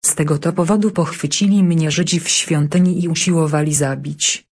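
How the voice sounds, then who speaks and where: A woman reading Bible passages and study questions in an even, measured way. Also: sits low, husky. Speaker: scripture reader.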